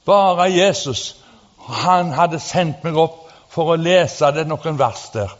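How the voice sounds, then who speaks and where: A man preaching, telling a personal testimony in a halting, then fervent and animated way. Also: on the high side. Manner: animated, rising to fervent emphasis; halting with fillers and restarts. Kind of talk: sermon testimony storytelling. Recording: dull sound with long hall reverb.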